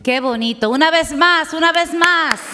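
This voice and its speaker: A woman's voice: very high voice, moderate pace. A woman hosting a live community event, cheering on the crowd and chatting with a performer. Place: outdoor community celebration. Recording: loud crowd and noisy live venue.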